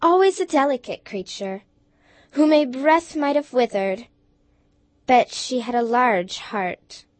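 Woman doing a solemn, high ghostly spirit. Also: animated, no echo. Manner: measured and solemn. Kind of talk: storybook reading.

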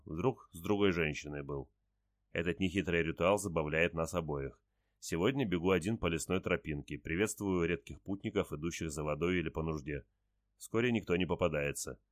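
Man reading a story, calm and terse, really deep voice, dry close recording. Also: no room sound. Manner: calm, terse, clipped sentences. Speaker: audiobook narrator. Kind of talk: first-person story narration.

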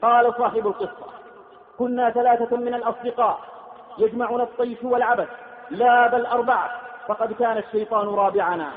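A man's voice: extremely high pitch, fairly even intonation, quick pace. A man preaching an emotive sermon, sometimes chanting his lines. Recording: echoey hall, tinny phone-like sound.

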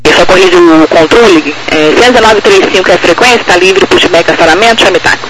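A man with a Brazilian accent giving air traffic clearance instructions over radio. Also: high voice, brisk. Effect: aviation radio. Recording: slightly noisy aviation radio.

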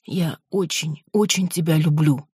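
A man's voice: a little high, fairly even intonation, measured pace, darkish tone, breathy edge, no echo, studio quality. A man doing a sobbing, pleading young sister. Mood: tearful pleading.

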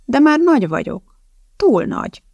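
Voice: high-pitched, big pitch swings, gravelly, a little mellow, dry recording, voice pushed up, heavily acted. Komoly, koraérett kislány, ahogy egy felolvasó eljátssza, magasabbra emelt, őszinte hangon, enyhén recsegő hangszínnel, száraz, közeli hangoskönyv-felvételen. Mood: earnest.

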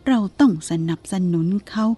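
A woman voicing a humble, deferential elderly female country cook in a storybook reading, slow and polite. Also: warm tone, close to an everyday voice. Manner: deferential, polite and self-effacing.

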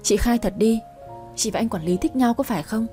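A woman's voice: a little high, brisk, dark tone, faint music behind, lightly acted. A woman voicing a young, outspoken female coworker who loves to gossip. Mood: gossipy. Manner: gossipy, blunt, chatty.

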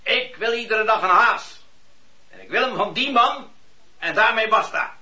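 An actor playing a gruff, domineering ageing colonel, curt and impatient, in a radio play. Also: male voice, high voice, normal speed, sharp tone. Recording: dull lo-fi radio play recording.

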